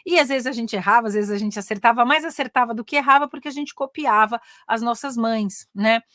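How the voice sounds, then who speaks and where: A woman's voice: fairly high pitch, fairly quick, fairly bright tone, dry recording, studio quality. A middle-aged Brazilian woman with a Brazilian Portuguese accent, an English teacher and career mentor giving a casual online lesson, often tagging her sentences with "né?" and pressing her points eagerly. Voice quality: chatty, frequent "né?" tags.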